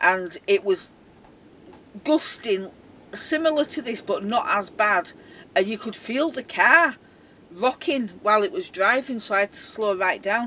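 Bright and sharp in tone, a woman speaks fairly slowly with very wide pitch swings and long, frequent pauses over light background noise. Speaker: vlogger. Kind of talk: casual vlog chat. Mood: uneasy, anxious about storm. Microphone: webcam.

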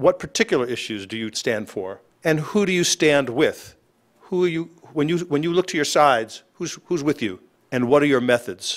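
Fairly high male voice in an American accent, lively in intonation, at a moderate pace against a quiet background. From New York City. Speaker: activist and former actor; former actor. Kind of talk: lecture. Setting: university talk with audience. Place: classroom. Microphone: podium.

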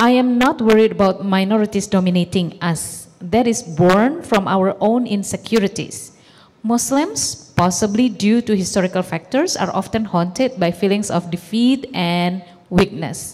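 A woman with an Indonesian accent, ordinary pitch variation, very even loudness and a moderate pace. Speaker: social activist; conference panelist. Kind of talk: conference presentation. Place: hall. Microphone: podium.

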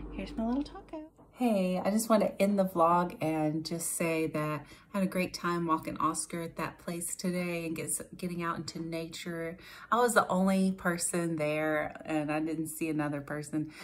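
Here is a woman with a normal speaking voice, fairly low in pitch. She talks at a moderate pace with ordinary pitch variation. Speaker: home vlogger. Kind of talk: casual vlog chat. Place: home room. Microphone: phone near.

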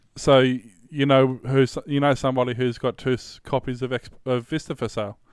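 Speaking in an Australian accent, a man talks at a fairly quick pace with medium pitch and a monotone, flat intonation. The sound is dry and close with no echo, in a very clean recording with a silent background. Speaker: tech podcast host. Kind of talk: casual chat.

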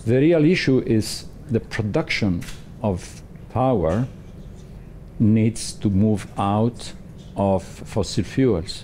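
A man speaks very slowly with a fairly low pitch and very even loudness. He leaves long, frequent pauses over light background noise. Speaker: panelist. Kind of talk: panel discussion. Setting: stage with audience. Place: cafe.

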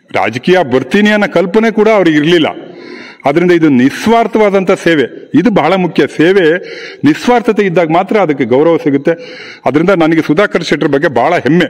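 His pitch is high and his intonation lively. The man keeps his loudness very even. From Karnataka, India. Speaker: politician. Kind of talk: public speech. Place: stage.

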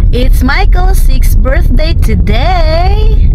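A woman over loud background noise, in a dry sound with no echo. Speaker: parent vlogger. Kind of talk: casual vlog chat. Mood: cheerful. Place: car. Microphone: phone near.

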